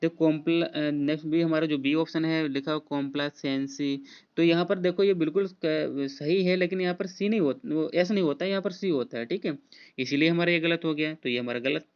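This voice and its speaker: In a dull lo-fi recording, a man casually teaches an exam prep lesson, walking through a spelling quiz letter by letter with frequent fillers. His voice is a little high, clear and resonant, and he talks a little fast.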